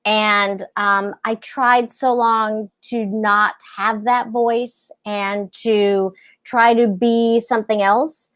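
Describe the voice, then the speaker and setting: A woman with a squeaky voice that sits a little high speaks over a video call. She gives career advice in an encouraging way and laughs easily. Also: level tone, takes it slowly, few pauses, a bit bright, clean tone. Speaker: guest actress.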